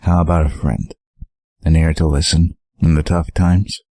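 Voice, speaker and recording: Man as very deep, earnest young hero. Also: normal speed, dry recording. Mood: reassuring, sincere. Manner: calm, sincere, supportive. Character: earnest, steady young male Atlantean superhero. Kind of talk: audio drama acting.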